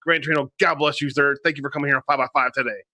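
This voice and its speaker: A man hosting a livestream interview, speaking in upbeat, quick wrap-up talk. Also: on the high side, steady tone, bright, forceful tone. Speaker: host.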